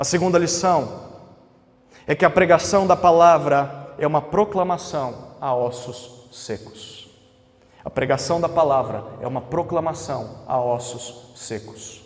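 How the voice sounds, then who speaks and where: A man with a fairly high pitch and ordinary pitch variation talks at a very slow pace against noticeable background noise. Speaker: preacher. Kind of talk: sermon. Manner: fervent, rhetorical, building with repeated phrases; direct, pleading appeals to the listener.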